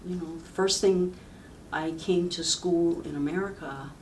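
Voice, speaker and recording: A woman in her seventies from rural southern China, a native speaker of a Chinese village dialect, reminisces about her life in a halting, reflective way for an oral history interview. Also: on the low side, fairly even intonation. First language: Sayep village dialect of Chinese. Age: 70s. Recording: distant mic with faint background noise.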